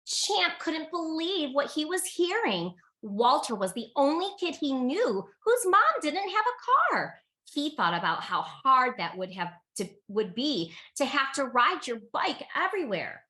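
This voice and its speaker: A woman reading a picture book aloud to children in an expressive, teacherly way, speaking directly to her listeners. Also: high voice, measured pace, few pauses. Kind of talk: animated children's read-aloud.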